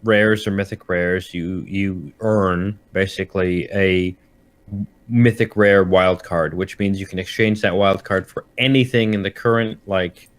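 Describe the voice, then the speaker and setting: A man's voice: low-pitched, fairly even intonation, unhurried. A man chatting casually about games as a podcast host, explaining things hesitantly and often rephrasing mid-sentence.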